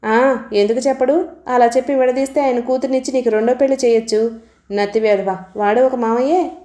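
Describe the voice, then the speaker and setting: A woman reading the part of a scornful, sharp-tongued young wife, in a roomy-sounding recording. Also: on the high side, fairly even intonation, brisk, natural voice. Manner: scornful and cutting.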